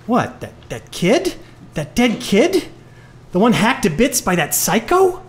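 A woman's voice: fairly high pitch, wildly swooping pitch, slow, heavily acted. A woman acting a bitter, wisecracking retired male jazz musician in a live noir audio play, talking in hep-cat slang. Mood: scornful. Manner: hep-cat slang, sardonic, stammers when rattled. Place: live on stage in a club.

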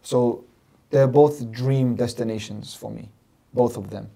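Man in his thirties, warm dark tone, emphatic guest on a studio podcast. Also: mid-range voice, fairly even intonation, measured pace, creaky, slightly rough. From London, England. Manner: emphatic, repeats phrases in lists. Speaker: guest religious scholar. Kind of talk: podcast interview, earnest explanation. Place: small studio set with plants. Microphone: desk mic on stand.

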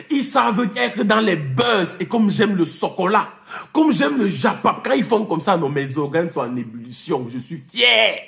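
A vlogger with a high, creaky, bright and forceful voice delivers a comic rant to camera. He teases his viewers, repeats names, slips into English, and laughs as he talks.

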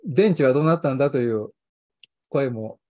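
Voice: mid-range voice, lively intonation, moderate pace, dark tone, no echo. A history channel host with a Kansai accent, chatting casually on a livestream, rambling and chuckling often.

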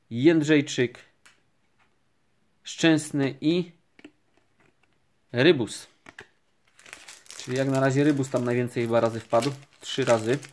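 A man giving calm, unhurried commentary while opening sticker packs, naming each card as it appears. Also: medium pitch, a little hiss or hum. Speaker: card collecting vlogger. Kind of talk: casual pack-opening commentary. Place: indoors at a table, camera overhead on hands.

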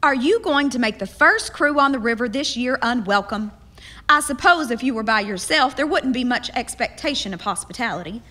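A woman's voice: on the high side, animated, moderate pace, pushed and bright. An actress playing a spirited, persistent, hospitable frontier woman in a period radio drama, earnest, teasing and ready to argue. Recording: long hall-like reverb.

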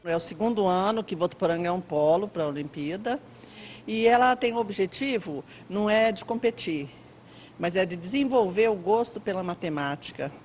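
A woman's voice: mid-range voice, normal speed, darkish tone, slight background noise. A woman in her sixties with a Brazilian accent, answering interview questions as an educator. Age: 60s. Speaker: maths project educator. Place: classroom. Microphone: handheld interview microphone.

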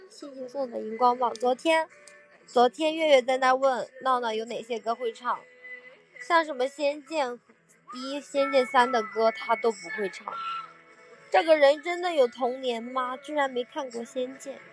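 A woman's voice: high-pitched, normal speed, faint music behind. A woman hosting a casual livestream, chatting with viewers and laughing at her own slips of the tongue. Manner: sings along with songs between chatting. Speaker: livestream host.

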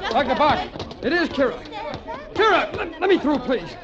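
An actor playing an earnest, anxious younger doctor in a 1940s radio drama, hesitant and urgent. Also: male voice, very high-pitched, sing-song, moderate pace. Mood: alarmed, urgent. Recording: dull old radio recording, crowd noise.

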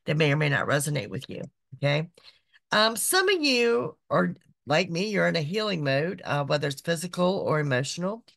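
A woman, hosting a psychic podcast, her voice raspy from being sick, chatty and repetitive. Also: low voice, fairly bright tone, no room sound, studio quality. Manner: chatty, repeats phrases, frequent "okay". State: raspy voice from illness. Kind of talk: casual monthly horoscope reading. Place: small decorated home room.

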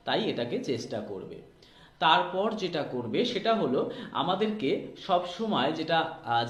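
A man giving informal instructional advice as an acting and voice coach, explaining things directly to the listener. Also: fairly high pitch. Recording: echoey room.

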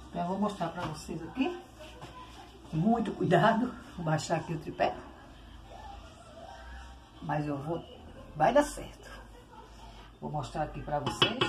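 An older Brazilian woman in her sixties chattily demonstrating home cooking, often addressing her viewers directly. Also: lowish voice. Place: home kitchen, indoors. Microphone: phone on tripod, short distance. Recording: noisy kitchen with clattering dishes.

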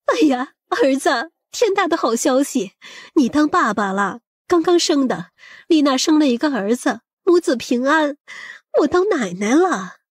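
A woman playing a shrewd, protective and excitable middle-aged mother in an audiobook drama, speaking emphatically. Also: high-pitched, a little slow, no echo, studio quality. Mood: excited, joyful.

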